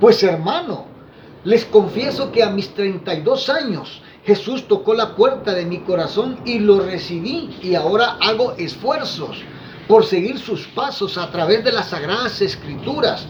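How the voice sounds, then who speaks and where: A man with a high pitch talks at a fairly slow pace, his intonation lively. There is audible room echo and noticeable background noise. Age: 60s. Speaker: preacher. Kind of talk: sermon.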